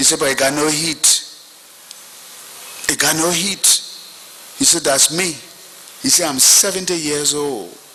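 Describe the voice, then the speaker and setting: A man at a fairly slow pace, with long, frequent pauses, ordinary pitch variation and noticeable background noise. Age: 50s. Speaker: truth commission witness. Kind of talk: testimony. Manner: emotional storytelling.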